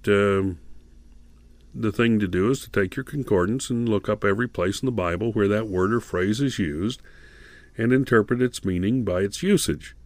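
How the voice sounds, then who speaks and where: Low-pitched man hosting Christian radio, dry sound. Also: no room sound. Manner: measured, deliberate, repeats details for listeners. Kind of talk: radio devotional talk, announcing and Bible teaching. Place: radio studio.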